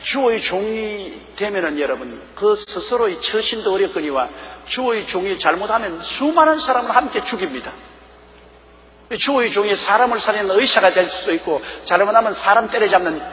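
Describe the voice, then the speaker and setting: An older man, a pastor with a Gyeongsang accent, preaching a sermon with sudden swings between loud and soft. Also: sits high, lively intonation, normal speed, a little hiss or hum. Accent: Gyeongsang Korean. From Gyeongsang region, Korea. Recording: reverberant hall, dull lo-fi sound.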